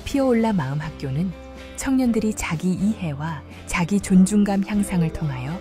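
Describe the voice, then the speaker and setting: Woman reading documentary narration, formal and steady, faint music behind. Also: on the low side. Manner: calm, measured, formal.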